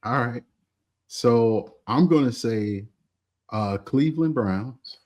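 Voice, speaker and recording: A man's voice: mid-range voice, takes it slowly, darkish tone, lo-fi sound. An older man co-hosting a podcast who jokes around, mocks himself and laughs often. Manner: joking, self-mocking, laughs a lot. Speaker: podcast co-host. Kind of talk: casual podcast banter.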